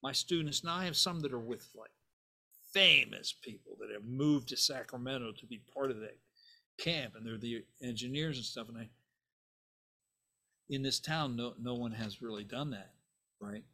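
The older guest, a bassist whose first language is Italian, rambles through anecdotes in a casual interview, often saying "you know" and "right?". He speaks at a moderate pace in a mid-range voice with a sharp tone and some vocal fry.

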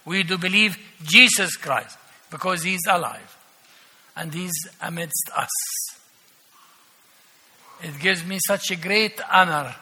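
An older Palestinian man preaching a guest sermon in a large church, emphatic and slow with ironic humor. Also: high-pitched, sharp tone, slightly rough. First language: Arabic. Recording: echoey church hall.

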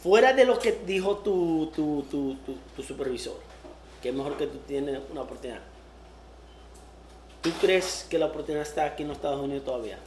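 A US-born podcast host conducts a relaxed interview, repeating words frequently and laughing with ease. Her low voice is expressive, a little fast and slightly mellow. The recording has room echo and faint noise.

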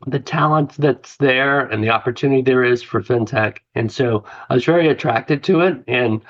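A man's voice: medium pitch, normal speed, fairly bright tone, muffled recording. A man in an interview, talking in an enthusiastic, conversational way about his work in events. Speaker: conference content chief. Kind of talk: podcast interview.

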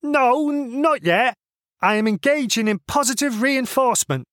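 A man's voice: very high voice, lively intonation, moderate pace, a bit bright, no echo, clean studio sound, voice pushed up. A man voicing a cheerful, awkward young man who talks with fussy, formal politeness. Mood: eager. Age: young adult. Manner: cheerful, eager, fussily polite.

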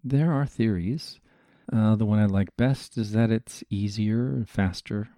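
A male history podcast host with a low, very mellow voice, recorded dry and close. He narrates from a script but wanders into chatty, lecturing asides. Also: a little slow, dry recording.

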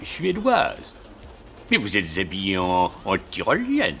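An actor dubbing into French a suave man who probes a stranger slowly and knowingly. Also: low voice, wildly swooping pitch, a bit bright, soft background music, exaggerated voice. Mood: probing. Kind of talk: French film dub.

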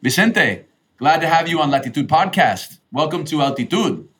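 A man's voice: fairly high pitch, lively intonation, moderate pace, a bit bright, breathy edge. A man co-hosting a podcast, reading a polished introduction of the guest and asking questions. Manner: polished, read-aloud introduction. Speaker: podcast co-host. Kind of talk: scripted intro then interview questions.

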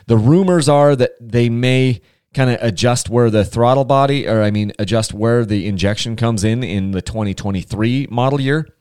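A man's voice: medium pitch, normal speed, darkish tone, clean tone, no room sound, clean studio sound. A man hosting a casual solo podcast, chatty and enthusiastic, rambling with frequent restarts. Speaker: podcast host.

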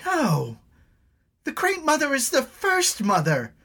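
A man's voice: big pitch swings, a little slow, a bit bright, slightly rough, heavily acted. A man doing a desperate young tribal woman. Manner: pleading, rising to shrill cries.

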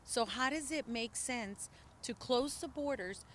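A woman's voice: a little high, measured pace, a little hiss or hum. Emphatic woman, native Spanish speaker. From El Paso, Texas border region. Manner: earnest, emphatic, some restarts. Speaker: interview guest. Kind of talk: impassioned political testimony. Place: outdoors near the border.

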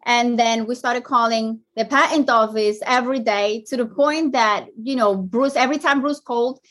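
A woman from Colombia with a Colombian accent, a business owner telling her story as a guest in a casual interview, animated and fond of "like". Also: on the high side, normal speed. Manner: animated storyteller, acts out phone calls, frequent "like".

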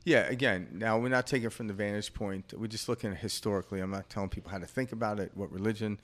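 A man's voice: fairly low pitch, steady tone, quick pace, a bit bright. Rambling, reflective man in his fifties. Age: 50s. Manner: rambling, reflective, with frequent fillers and laughs. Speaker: podcast co-host. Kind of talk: casual spiritual chat.

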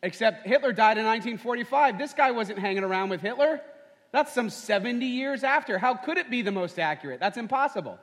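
A man's voice: very high-pitched, lively intonation, brisk, a bit bright. A man preaching a sermon as pastor, conversational and full of rhetorical questions. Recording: long hall reverb.

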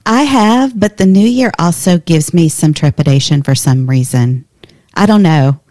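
A woman's voice: on the low side, animated, moderate pace, warm tone, no echo, clean studio sound. A woman talking casually as a guest on a talk show. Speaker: podcast guest. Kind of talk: casual chat.

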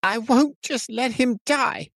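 A man voicing an earnest, quick-tempered young healer, raising his voice higher. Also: animated, darkish tone, dry recording, clean studio sound, close to an everyday voice. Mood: distraught.

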